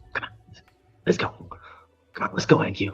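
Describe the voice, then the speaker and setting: At a moderate pace, a man talks in a put-on character voice. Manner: jittery, twitchy, desperate.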